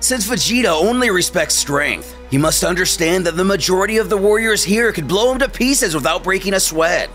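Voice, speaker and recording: A man's voice: high-pitched, expressive, fairly quick, hardly any pauses, fairly bright tone. A man narrating a story retelling in a playful way with wry asides. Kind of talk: comic story recap narration. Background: faint background music.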